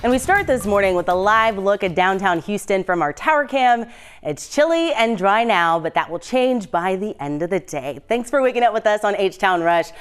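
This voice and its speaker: A woman's voice: mid-range voice, lively intonation, moderate pace, smooth, soft background music. American woman anchoring morning TV news. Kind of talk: scripted broadcast news reading. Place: television news studio.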